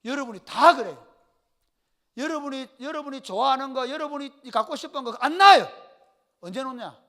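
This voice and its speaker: Speaking at a normal speed in a Gyeongsang Korean accent, a pastor gives a homey sermon full of lively stories, cracking jokes with the congregation and calling out listeners by name. His voice is high for a man, bright and sharp-edged, and its pitch swings widely. The tone is colloquial throughout.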